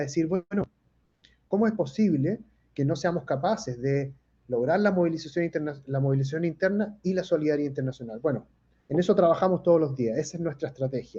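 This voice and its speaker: With a Chilean accent, a man talks at a very fast pace in a fairly high pitch, somewhat breathy and dark, mellow in tone, against a quiet background. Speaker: activist for democracy in Cuba. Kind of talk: webinar talk. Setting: online webinar.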